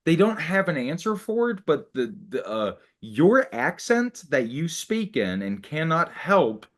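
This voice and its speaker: A young man from the Atlanta suburbs with a slight New England tinge to his speech, excitably chatting and swearing as a podcast co-host. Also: a little high. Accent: slight New England-tinged, not Southern. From Atlanta suburbs, Georgia, USA. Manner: excitable, swearing, quick to laugh, animated storytelling. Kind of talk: casual chat.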